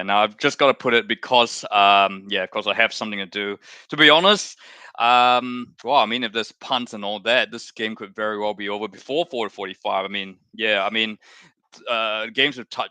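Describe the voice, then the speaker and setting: A man's voice: lowish voice, steady tone, normal speed, pushed and bright, clean tone, no echo. A man from Malaysia hosting a live watchalong stream, chatting in a rambling, self-correcting way. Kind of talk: casual watchalong chat.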